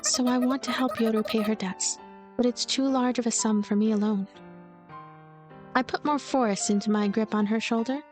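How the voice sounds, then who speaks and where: A woman's voice: fairly high pitch, fairly even intonation, normal speed, a little mellow, soft background music, lightly acted. A woman voicing a cynical, lonely girl who narrates her own visual novel story in a blunt, wry, calculating way. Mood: cool, calculating. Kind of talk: first-person visual novel narration read aloud.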